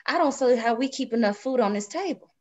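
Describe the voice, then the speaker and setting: A woman acts out a worried, stubborn wife in a period drama read. Her voice sits a little high. She scolds in plain rural Southern phrasing, protective of her family. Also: animated, a little fast, darkish tone. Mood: worried, firm. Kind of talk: dramatic script table read.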